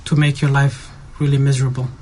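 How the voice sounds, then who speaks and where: Man, flat delivery, earnest opinion in group talk, light ambient noise. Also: medium pitch, quick pace.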